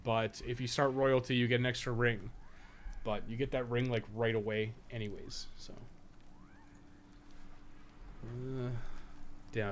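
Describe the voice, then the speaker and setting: A man giving casual live game-stream commentary, thinking aloud in a rambling, blunt way and swearing freely. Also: mid-range voice. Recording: clear background noise.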